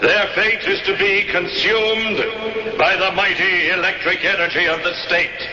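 Slow, booming-hall pompous state censor. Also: male voice, steady tone, bright, forceful tone, soft background music, full character voice. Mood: pompous, menacing. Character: pompous, menacing male state censor pronouncing doom. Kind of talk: 1970s radio drama acting. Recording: echoing stadium hall, dull sound, crowd.

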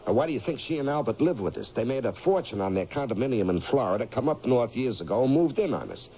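An actor playing a bitter, self-pitying middle-aged ex-miner in a radio drama, grumbling and sarcastic. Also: male voice, mid-range voice, animated, quick pace, mellow, natural voice. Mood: resentful. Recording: muffled, lightly noisy old radio recording.

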